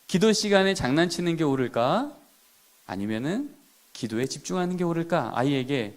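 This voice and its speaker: A man lectures teachers and parents at a church seminar, his voice sitting high and swinging widely in pitch. He keeps asking his listeners questions and answering them himself. Now and then he acts out what a child or an adult might say. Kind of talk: lively lecture with questions to the audience.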